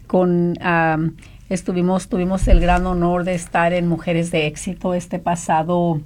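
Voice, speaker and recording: A woman's voice: on the low side, level tone, measured pace, darkish tone. A woman hosting a Christian radio talk, chatting with a guest and then leading a fervent prayer. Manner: fervent praying, many fillers. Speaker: radio show host.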